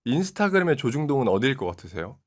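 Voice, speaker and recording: A man's voice: mid-range voice, rapid-fire. A man in his twenties, a guest commentator, explaining social media and politics in casual talk. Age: 20s. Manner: explanatory, steady, frequent short acknowledgments.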